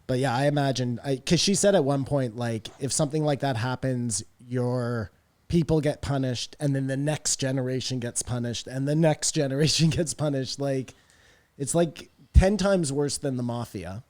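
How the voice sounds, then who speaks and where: A man's voice: mid-range voice, normal speed, darkish tone. A man co-hosting a podcast in a casual discussion, informal and given to swearing. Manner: informal, profane. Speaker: podcast co-host.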